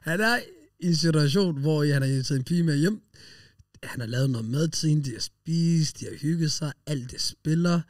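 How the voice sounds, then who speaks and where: High-voiced man telling stories far off-mic. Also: dry recording, studio quality. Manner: animated anecdote telling, laughs often. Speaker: podcast co-host. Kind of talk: casual storytelling chat.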